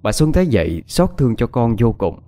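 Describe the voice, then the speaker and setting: A man's voice: mid-range voice, big pitch swings, brisk, dark tone. A man reading a dramatic story aloud as narrator. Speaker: audiobook narrator.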